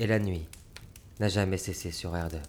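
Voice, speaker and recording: A man's voice with fairly even intonation. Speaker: storyteller narrator. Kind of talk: dramatic fantasy storytelling, scripted narration. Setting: audio-only episode. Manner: theatrical, solemn, gravely dramatic.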